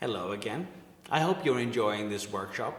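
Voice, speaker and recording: In a Swedish accent, a man speaks at a fairly quick pace with very wide pitch swings, amid noticeable background noise and audible room echo. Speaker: comedian and public speaking coach. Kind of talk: workshop tutorial. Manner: casual, with fillers and restarts.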